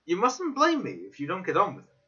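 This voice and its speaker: Wry, cautious gentleman, read by a male performer, explanatory and emphatic, swooping pitch, lo-fi storybook recording. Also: wildly swooping pitch, a little fast, heavily acted. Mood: defensive. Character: Stamford, cautious, wry young gentleman companion. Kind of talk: dramatic audiobook reading. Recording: dull lo-fi recording.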